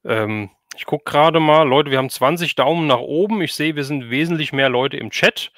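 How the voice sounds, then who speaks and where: A man's voice: on the high side, normal speed, fairly bright tone, no room sound. Hessian man hosting, dry close sound. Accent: Hessian German. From Hesse, Germany. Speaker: livestream host. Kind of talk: casual livestream chat.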